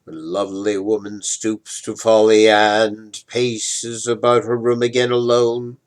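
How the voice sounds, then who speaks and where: An older man giving a dramatic, deliberate poetry recitation, moving between emphatic swells and hushed drops. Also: lowish voice, level tone, smooth. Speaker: poetry reader, retired professor.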